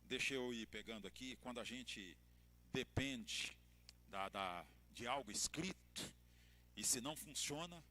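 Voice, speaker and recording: A man with a Brazilian Portuguese accent, a pastor giving a church lecture to couples, telling stories with expressive emphasis and light humor. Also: medium pitch, measured pace, a little hiss or hum.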